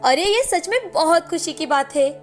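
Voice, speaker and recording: A woman's voice: very high-pitched, animated, moderate pace, faint music behind. A woman voicing a devoted, emotional wife in a cartoon story, speaking eagerly and affectionately. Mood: excited.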